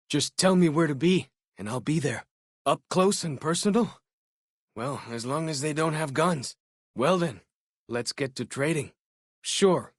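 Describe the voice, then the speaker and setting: A man's voice: medium pitch, dry recording, lightly acted. Man voicing an eager young tribal scout, clean and dry. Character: eager young tribal scout, jumpy but loyal companion. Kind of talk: video game character voice acting.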